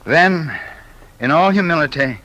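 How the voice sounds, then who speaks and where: An actor playing a brash, ambitious American investigator in a 1950s radio drama, folksy and halting. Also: male voice, on the high side, lively intonation, bright, forceful tone, low-quality recording. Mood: eager. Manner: folksy, hesitant with many ums.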